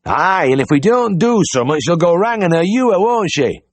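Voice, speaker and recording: A man voicing a plump, cheery farmer, talking loud and hearty. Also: sits high, animated, a little fast, dry recording, voice pushed up. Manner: loud, hearty, broad dialect. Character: bluff Yorkshire farmer, plump, cheery, middle-aged man.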